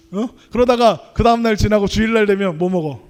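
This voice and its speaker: A man's voice: high voice, moderate pace. A young adult man preaching a youth sermon in a conversational way, often putting questions to his listeners. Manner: conversational, asks the audience questions.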